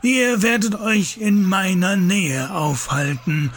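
An actor playing a sly medieval priest in a German audio drama, measured and paternal, patronizing with a quiet menace. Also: male voice, sits high, exaggerated voice. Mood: smug, paternal.

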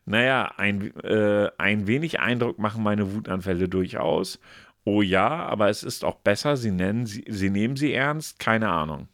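A man's voice: fairly low pitch, moderate pace, fairly bright tone, no room sound, clean studio sound. A man co-hosting a casual podcast, reading quiz questions and answer options aloud in a playful way. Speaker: podcast co-host.

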